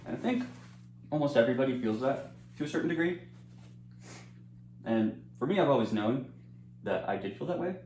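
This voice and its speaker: A man's voice: medium pitch, animated, normal speed, long pauses, darkish tone, roomy sound, slight background noise. A young American man chatting casually as he eats on camera, rambling with lots of fillers and restarts, sometimes talking with his mouth full. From United States. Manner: talks with his mouth full while eating. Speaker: eating-channel creator. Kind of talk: casual chat while eating.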